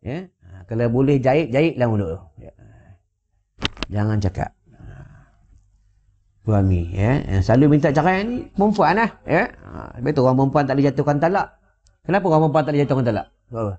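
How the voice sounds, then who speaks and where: A man's voice: medium pitch, lively intonation, a little fast, pauses often, darkish tone. A man giving a sermon with humorous asides, often asking if listeners understand, recorded indoors at home on a wireless lapel mic. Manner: rhetorical, keeps checking listeners follow. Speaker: religious teacher. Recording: dull lo-fi sound.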